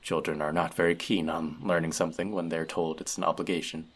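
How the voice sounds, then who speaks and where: A man playing a wise, teasing, gentle elf friend and magic mentor in a fantasy audio roleplay, talking conversationally and reflectively to the listener. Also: very deep voice, flat delivery, a little fast. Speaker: voice actor.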